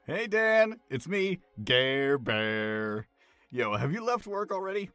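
A man's voice: on the high side, sing-song, slow pace, fairly bright tone, no room sound, soft background music, exaggerated voice. An actor playing a goofy male train conductor leaving a rambling, self-deprecating voicemail.

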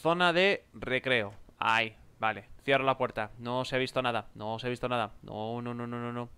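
A man's voice: medium pitch, normal speed, pushed and bright, clear, resonant tone. A young man with a Spain Spanish accent commenting his gameplay, exclaiming and joking, improvising mock chatter with game characters. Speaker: gameplay video creator.

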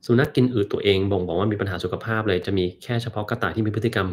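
A man casually answering viewer questions on a live stream, relaxed and joking. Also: on the low side, very fast, a little hiss or hum. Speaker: host answering live chat.

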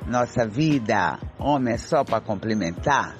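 A man's voice: on the low side, animated, measured pace. An older Brazilian man playing a self-assured friend rallying the group in an amateur radio soap. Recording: muffled voice clip with faint music.

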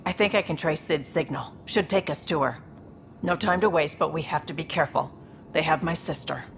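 A woman's voice: deep voice, a little fast, vocal fry, a little hiss or hum. A woman playing a tough, protective alien mercenary in a video game, speaking in a blunt, scolding, commanding way. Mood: urgent, resolute. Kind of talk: video game cutscene acting.

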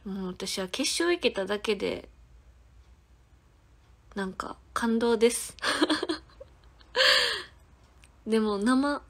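In a medium-pitched female voice that runs a little slow with long pauses, an idol singer in her twenties hosts a casual phone livestream. She speaks with a Kansai accent, giggling and replying to viewers' comments one by one.

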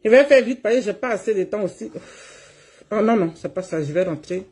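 A woman's voice: medium pitch, animated, brisk, darkish tone. A woman streamer delivering a heated livestream rant, combative and mocking, laughing as she scolds. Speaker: online streamer.

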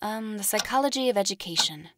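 An actress plays a subdued young woman working as a clerk in an audio drama. Her medium-pitched voice is polite and hesitant, with noticeable noise and clicks behind it. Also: animated, quick pace, lightly acted. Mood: awkward, polite. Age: young adult. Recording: noisy background with clicks.

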